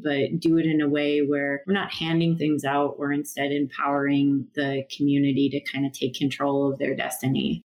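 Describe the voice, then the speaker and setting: Lady from northern minnesota on a podcast, lowish voice, casual chatty answers. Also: a little mellow, lo-fi sound. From northern Minnesota, United States. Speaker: podcast guest, nonprofit founder.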